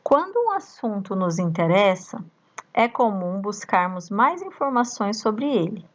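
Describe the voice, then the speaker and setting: A woman teacher with a Brazilian accent, slowly reading a workbook lesson aloud to young children and chanting the syllables. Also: medium pitch, sing-song, highs cut off. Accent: Brazilian Portuguese. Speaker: primary school teacher.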